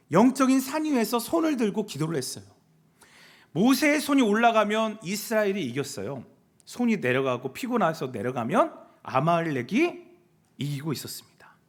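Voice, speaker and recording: A man pastor delivers a sermon to older church members. His voice sits high and swings widely in pitch. He keeps asking questions and answering them, and now and then acts out what people might say. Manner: call-and-response questions, acts out quoted speech. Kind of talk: sermon to senior congregation.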